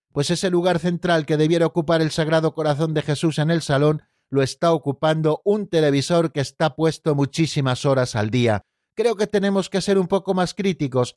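A man's voice: fairly high pitch, a little mellow, dry recording, studio quality. A man hosting a Catholic radio program, teaching the catechism in an earnest, didactic way and speaking straight to his listeners.

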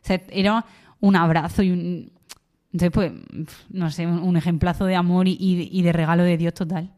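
A woman's voice: lowish voice, level tone, moderate pace, a little mellow. Young woman telling a heartfelt story. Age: young adult. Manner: emotional storytelling with many fillers and restarts. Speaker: interviewee, university student. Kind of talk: personal testimony in conversation.

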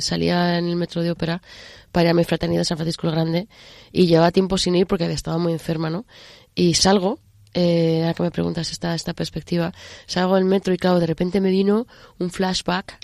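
Fast-talking, creaky-voiced Spanish woman. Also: on the low side, no room sound, studio quality. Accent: Spanish, from Spain. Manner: expressive, emphatic, repeats herself. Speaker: interview guest. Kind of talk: candid, chatty personal testimony.

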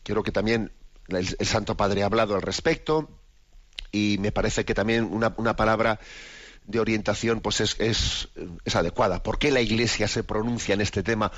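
A man's voice: on the low side, steady tone, fairly bright tone, no echo, lo-fi sound. A man hosting a radio program, giving a spoken commentary full of restarts and tag questions. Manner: halting, many restarts and rhetorical "¿no?". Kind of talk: spoken commentary on faith and current events.

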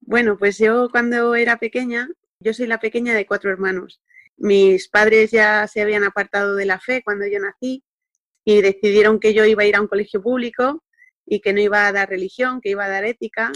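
A woman's voice: mid-range voice, steady tone, brisk, a bit bright, no room sound. A woman in her thirties from Spain with a Peninsular Spanish accent, a radio guest reflectively telling her story with many fillers and tag questions. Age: 30s. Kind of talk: personal testimony in conversation.

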